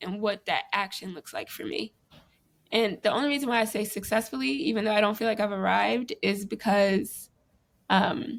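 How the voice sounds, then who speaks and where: A woman at a medium pitch speaks with vocal fry. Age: 30s. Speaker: filmmaker and photographer. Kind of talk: casual interview chat.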